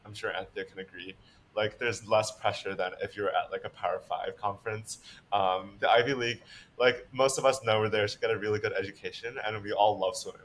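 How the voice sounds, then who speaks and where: Young man from Hong Kong, low voice, easygoing talk, faint noise behind. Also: rough recording. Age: 20s. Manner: relaxed, thoughtful, uses "like" often. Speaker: guest, college swimmer. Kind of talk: casual interview.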